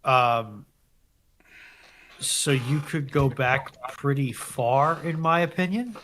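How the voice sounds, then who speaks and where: A man with a bright, forward voice at a middling pitch talks casually as a panellist. He reasons aloud, building his point in halting, broken phrases. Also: slight background noise, rough recording. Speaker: panellist on live discussion stream. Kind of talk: casual speculative discussion.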